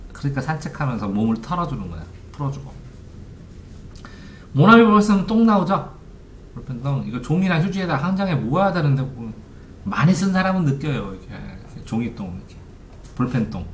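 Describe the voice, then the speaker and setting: A man's voice: a little high, big pitch swings, a little fast, slight background noise. A man giving an informal lecture on study methods as a coach, asking his listeners rhetorical questions. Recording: echoey room.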